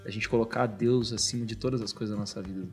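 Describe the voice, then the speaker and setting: A man in his thirties, a podcast guest, telling a personal faith story in casual chat, animated and full of filler words. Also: on the low side, quick pace, soft background music. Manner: animated storytelling, constantly says "cara".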